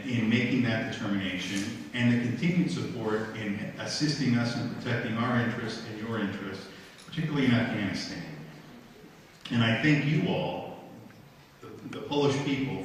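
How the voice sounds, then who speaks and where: American man speaking in a very echoey hall. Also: lowish voice. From United States. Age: middle-aged. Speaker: embassy diplomat giving a conference speech. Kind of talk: formal public speech. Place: large lecture room, recorded from the audience. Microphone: handheld mic through room speakers, distant camera pickup. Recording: very echoey hall, distant mic, faint noise.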